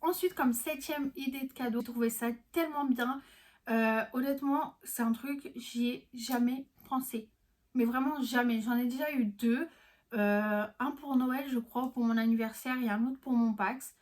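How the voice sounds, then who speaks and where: A woman's voice: fairly high pitch, fairly even intonation, moderate pace, darkish tone. A young woman vlogging casually, chatty and enthusiastic, with many fillers and restarts. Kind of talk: casual gift-guide vlog.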